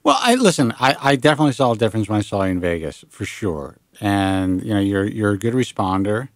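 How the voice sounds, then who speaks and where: A man in his late forties hosting a talk show, chatting casually with lively restarts and the odd swear word. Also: lowish voice, a little fast, no echo, clean studio sound. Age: 40s. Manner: animated, swearing, lots of restarts. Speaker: show host. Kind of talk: casual radio show chat.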